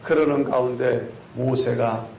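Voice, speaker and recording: A male pastor preaching a sermon, telling the story with lively rhetorical questions to the congregation. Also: unhurried, gravelly. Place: church sanctuary. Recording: echoey church hall with faint rumble.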